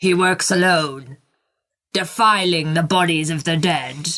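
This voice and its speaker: At a middle pitch, a put-on character voice unfolds at a fairly slow pace. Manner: ominous, portentous.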